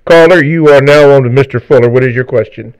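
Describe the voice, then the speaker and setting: A man co-hosting a live talk radio show, reading promos and introducing callers in measured announcer phrasing. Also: mid-range voice, darkish tone. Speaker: radio co-host. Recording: slightly dull lo-fi radio audio.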